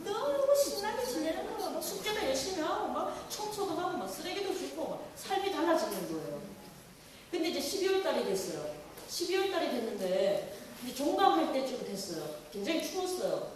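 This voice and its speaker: A Catholic nun lecturing to an audience, telling a story in an animated way and acting out quoted lines. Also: female voice, very high voice, a little fast, slight background noise. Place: lecture hall. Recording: echoey hall from far off.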